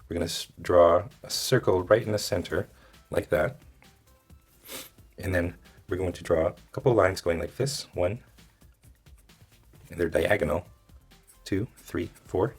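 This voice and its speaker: Male tutorial host, very deep pitch, husky hoarse voice, informal step-by-step instruction, thinking aloud. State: hoarse, losing his voice. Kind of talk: casual step-by-step drawing instruction.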